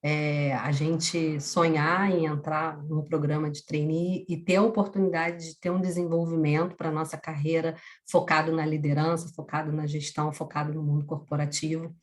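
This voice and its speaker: A woman hosting a live webinar, speaking in a measured, formal way with frequent fillers. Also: low voice, little pitch movement. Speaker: event host.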